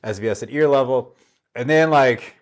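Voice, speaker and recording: Man, mid-range voice, casual walkthrough chat, rambling slangy delivery, animated storyteller, living room. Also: medium pitch, moderate pace. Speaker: home theater enthusiast giving a walkthrough.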